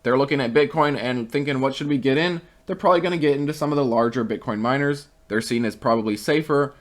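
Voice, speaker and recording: A man who is losing his voice casually walks his viewers through stock charts and market news, speaking fast in a mid-range voice. In a conversational manner, he reads out a company statement and then offers his own opinions.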